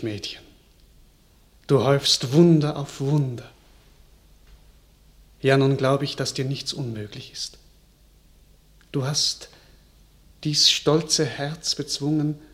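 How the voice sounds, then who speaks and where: A man's voice: mid-range voice, fairly even intonation, slow, long pauses, lightly acted. An actor playing a gracious, grateful medieval king, declaiming classical verse in a stately way for a radio drama. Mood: admiring.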